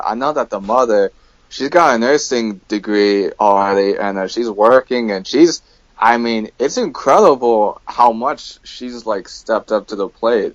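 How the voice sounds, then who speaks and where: A man from the United States chats as a guest, his voice on the lower side. He hesitates a lot with fillers and then states blunt opinions. The recording is dry and muffled. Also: dry recording. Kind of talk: casual conversation. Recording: dull, dry lo-fi sound.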